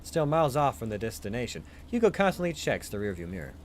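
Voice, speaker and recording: A man's voice: medium pitch, big pitch swings, quick pace, a little mellow, slight background noise. A man narrating a visual novel aloud in an informal way, correcting himself as he reads.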